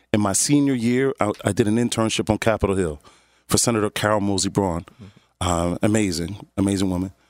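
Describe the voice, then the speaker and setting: In an American accent, a man with a normal speaking voice talks at a fairly quick pace with a fairly low pitch and ordinary pitch variation. The recording is very clean, with a silent background and a dry, close sound with no echo. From Philadelphia. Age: 40s. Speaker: city council candidate. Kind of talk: interview. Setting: studio.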